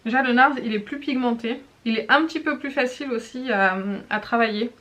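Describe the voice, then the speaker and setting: A woman beauty vlogger casually reviewing makeup products to camera, chatty and full of hesitations, pausing to demonstrate as she talks. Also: on the high side, fairly bright tone. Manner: chatty, frequent hesitations and self-corrections; demonstrates products while talking.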